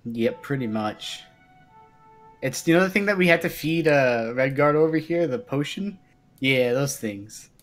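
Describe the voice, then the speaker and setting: A man's voice: mid-range voice, expressive, unhurried, a bit bright. A man playing a tabletop roleplay game, chatting casually with friends. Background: faint background music.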